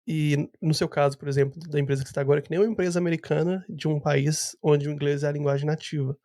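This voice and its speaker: A man's voice: a little high, fairly even intonation, fast, warm tone, dry recording. A man hosting a podcast interview, explaining his views in long, opinionated turns. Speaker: podcast host. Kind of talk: casual interview talk. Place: Vancouver.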